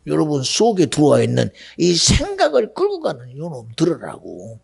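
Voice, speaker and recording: A pastor delivering a sermon in a lively, conversational way, often asking his congregation questions. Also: fairly high pitch, normal speed, gravelly, husky. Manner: animated, conversational preaching with rhetorical questions. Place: church sanctuary.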